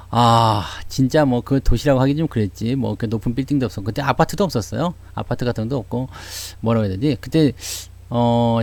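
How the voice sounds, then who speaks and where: Lively chatty Korean man, dry close mic. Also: medium pitch, no room sound. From Seoul, South Korea. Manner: chatty, joking, many "네" asides, chuckles. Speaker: stock market YouTube host. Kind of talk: casual livestream chat answering viewers.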